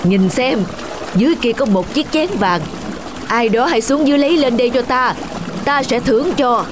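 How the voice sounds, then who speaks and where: A woman's voice: on the high side, normal speed, background noise, lightly acted. A woman voicing a stern, commanding tribal king in a cartoon folktale, speaking in an imperious, declamatory way.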